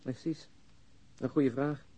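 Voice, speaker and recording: An actor playing a brooding, dry-humoured police detective at home with a terse manner in a radio drama. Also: male voice, mid-range voice, steady tone, slow, warm tone, slight background noise, lightly acted, poor audio. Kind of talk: naturalistic radio drama dialogue.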